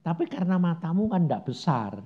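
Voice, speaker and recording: A man's voice: on the high side, big pitch swings, highs cut off, a little hiss or hum. A man preaching a conversational sermon, asking rhetorical questions and acting out little prayers and objections. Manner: acts out prayers and objections in quick asides.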